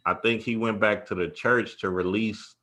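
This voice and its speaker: A man with a fairly low but bright, forceful voice chats as a co-host. His talk is informal and slangy, full of enthusiastic emphasis. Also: fairly even intonation, normal speed. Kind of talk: casual, enthusiastic chat.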